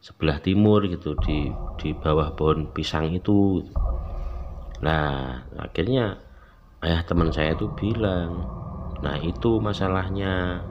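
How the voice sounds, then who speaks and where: A man's voice: sits low, unhurried, pauses often. A man tells a true ghost story casually in the first person and acts out the quoted voices. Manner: chatty, acts out quoted voices with rising excitement. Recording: slightly dull lo-fi sound, faint background noise.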